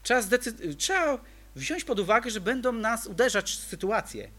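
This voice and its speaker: A man's voice: extremely high pitch, expressive, normal speed, fairly bright tone. A man preaching a sermon, emphatic and full of rhetorical questions to the congregation.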